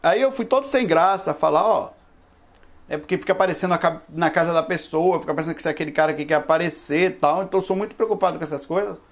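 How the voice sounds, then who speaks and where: High-voiced man giving a casual spiritual talk. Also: rapid-fire, hardly any pauses. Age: 40s. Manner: conversational, rambling, with frequent asides. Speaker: spiritualist lecturer. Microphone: camera microphone.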